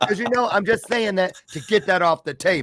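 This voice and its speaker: A man speaks fairly quickly in an animated tone with lively intonation, on a very clean recording with a silent background and a dry, close sound with no echo. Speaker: spiritual coach, show host. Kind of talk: casual chat.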